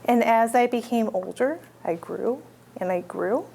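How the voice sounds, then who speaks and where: A woman's voice: fairly high pitch, unhurried, vocal fry, mellow, a little hiss or hum. A woman hosting a children's storytime as a librarian, reading picture books aloud in simple child-directed talk and putting questions to her little listeners.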